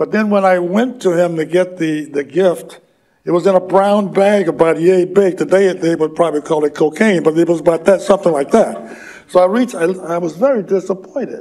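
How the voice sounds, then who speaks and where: A man talks at a fairly quick pace in a high pitch, with ordinary pitch variation. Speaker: retired laser engineer. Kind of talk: onstage interview. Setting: stage with audience. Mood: warm, humorous storytelling. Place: hall.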